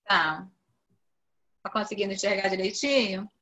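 A woman teaching an online class to young children, patiently coaxing them and spelling out syllables slowly. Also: mid-range voice, sharp tone, a little hiss or hum. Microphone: video call. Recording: dull lo-fi video call audio.

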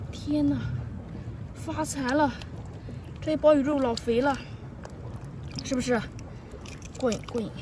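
Excitable high-voiced woman on the shore. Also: noisy background. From Shandong, China. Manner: lively, exclamatory, full of delighted cries. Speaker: seaside foraging vlogger. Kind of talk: excited live commentary while foraging. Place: rocky seashore outdoors. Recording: distant mic with loud outdoor ambience.

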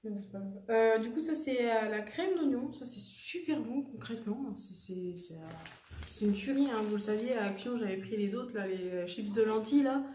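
Showing off her shopping haul, a young woman chats casually at normal speed, her fairly high voice carrying a dark tone. She rambles and corrects herself with lots of fillers, recorded in an echoey room with faint noise.

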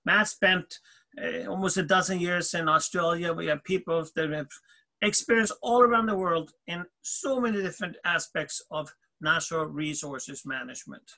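A man's voice: on the high side, normal speed, creaky, pushed and bright. A man from Sweden, a forestry professor, telling about his career in a casual panel talk.

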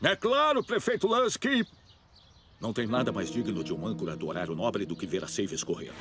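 Theatrical, wildly swooping pompous news anchor. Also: male voice, fairly low pitch, sing-song, fairly quick. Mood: smug, sardonic. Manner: theatrical, dramatic announcer delivery. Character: pompous, sensation-hungry male TV news anchor. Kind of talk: animated cartoon dub.

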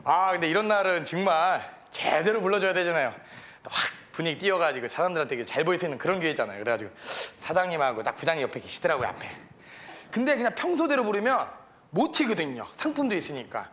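A man's voice: fairly high pitch, sing-song, fast, fairly bright tone. A man telling a comic story on a TV comedy stage, playful and shrieking when it gets wild. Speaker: stand-up comedian. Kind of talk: comedy monologue with sung parody. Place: TV studio stage with audience.

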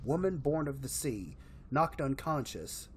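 A man in his thirties giving casual, expressive commentary as he plays and reads aloud from a video game. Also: mid-range voice, a little slow, a little hiss or hum. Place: indoor room, solo gaming setup.

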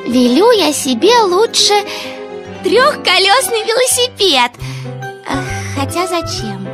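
An impulsive little girl from an audio fairy tale, speaks in a very high, childlike voice. She is fretful and expressive, taking her words slowly, with tinkling children's music behind. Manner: childlike, musing aloud, expressive.

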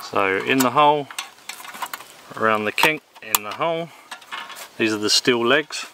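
A man in his thirties from England casually reviewing a camping table outdoors in the woods, with a relaxed manner and plenty of ums and uhs. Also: mid-range voice, a little slow, creaky, noisy background. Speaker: gear reviewer. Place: outdoors in woodland.

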